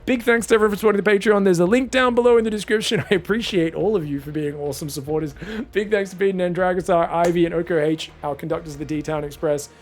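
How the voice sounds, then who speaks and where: A man casting a strategy game match, energetic and casual, with excited calls and chatty asides. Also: sits high, quick pace. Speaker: esports caster. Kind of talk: excited live game commentary.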